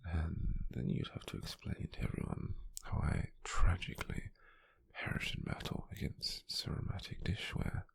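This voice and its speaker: Gentle, doting British wizard boyfriend played by a male ASMR actor: low, gravelly half-whisper, tender and softly teasing. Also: very animated, moderate pace, exaggerated voice. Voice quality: breathy, husky near-whisper. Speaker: ASMR roleplay performer. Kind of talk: ASMR roleplay, intimate whispering.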